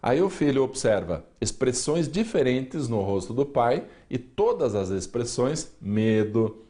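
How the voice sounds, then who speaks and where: A man with a Brazilian Portuguese accent speaks as a parenting columnist on a TV news show. His voice sits in a middle pitch. He explains calmly and lays out his points in order. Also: unhurried. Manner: calm explanatory, acts out parents' lines.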